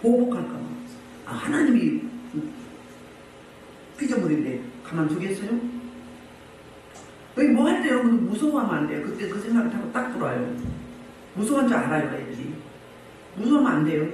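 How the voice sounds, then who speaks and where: A male pastor preaching a sermon in an emphatic, lively way, firing off rhetorical questions to the congregation. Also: high voice, normal speed, pauses often, distant mic. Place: church meeting room. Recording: very echoey room, voice from afar, faint noise.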